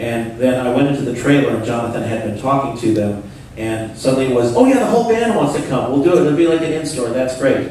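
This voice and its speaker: A man at a very fast pace, with ordinary pitch variation, strong room echo and light background noise. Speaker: event organizer on a panel. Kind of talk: Q&A answer, storytelling. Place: stage.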